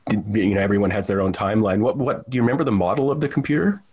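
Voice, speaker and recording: A man's voice: fairly low pitch, very fast, darkish tone, slightly rough. A man hosting an interview podcast, reading a scripted introduction and then chatting casually with many restarts. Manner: friendly, conversational, with many restarts. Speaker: podcast host.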